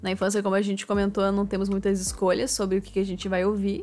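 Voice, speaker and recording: A woman speaks at a medium pitch. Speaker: podcast host. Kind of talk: casual chat. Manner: fast, talkative.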